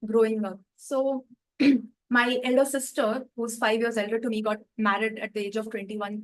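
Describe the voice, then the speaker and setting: An Indian woman in her thirties speaks with a slightly high voice and a clear Indian English accent. She tells a personal story in an earnest, reflective way and often restarts her sentences as she goes. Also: rough recording. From Calcutta, India. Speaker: educational speaker at a club meeting.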